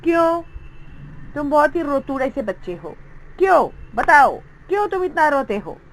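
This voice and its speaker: A woman's voice: sits high, big pitch swings, normal speed, low-quality recording. A woman teacher explaining a Hindi textbook story, reading its lines aloud and acting out the children's voices.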